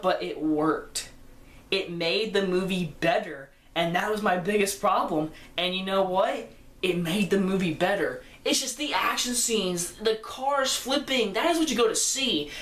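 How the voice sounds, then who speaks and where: A fifteen-year-old boy with a high, slightly bright voice gives an enthusiastic casual movie review. He rambles and keeps correcting himself, and the room adds a noticeable echo.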